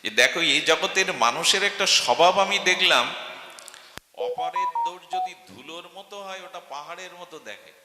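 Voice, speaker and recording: A man voicing Krishna, a calm male god who gently explains a lesson, inside a devotional sermon. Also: high-pitched, normal speed, roomy sound, big-room sound, noisy background, close to an everyday voice. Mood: gentle.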